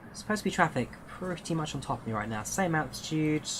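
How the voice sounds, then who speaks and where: A man's voice: on the high side, lively intonation, quick pace, noisy background. A man with an English accent giving casual live-stream commentary on a flight simulator, thinking aloud and answering chat viewers.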